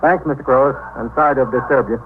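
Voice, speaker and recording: An actor in a 1950s radio drama playing a polite, businesslike desk sergeant working the phones. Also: male voice, medium pitch, fast talker, close to an everyday voice. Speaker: police sergeant. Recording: tinny old radio broadcast with faint hiss.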